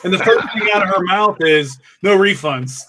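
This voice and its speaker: A man's voice: high voice, animated, normal speed, very noisy. A man chatting informally and jokingly in a casual panel discussion.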